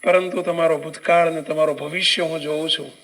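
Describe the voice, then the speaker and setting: A man voicing a calm, all-knowing old holy man in measured, softened tones during a religious story. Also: a little high, rough recording. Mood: preaching.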